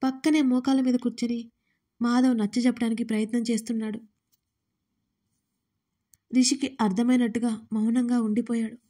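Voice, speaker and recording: A woman's voice: fairly high pitch, little pitch movement, normal speed, pauses often, mellow. A woman narrating her own emotional love story in the first person, with dramatic, tearful storytelling. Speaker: writer and narrator of audio stories.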